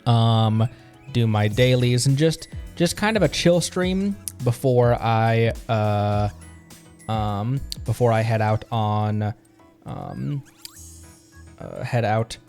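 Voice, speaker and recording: A man's voice: mid-range voice, slow pace, a little mellow, faint music behind. A man chatting casually as he hosts a gaming livestream, rambling in loose asides. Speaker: streamer and channel host.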